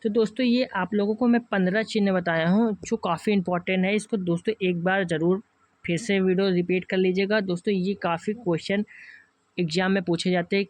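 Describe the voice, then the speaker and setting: Hindi-speaking teacher walking through exam questions. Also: male voice, high-pitched, no room sound. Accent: Hindi, north Indian. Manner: addresses viewers as friends, walks through each option repeatedly. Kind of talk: online class lecture.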